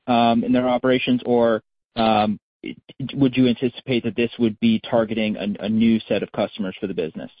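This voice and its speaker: A man's voice: mid-range voice, steady tone, fairly quick, dry recording. A man asking a question as an analyst on an earnings call. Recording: dull, dry phone call audio.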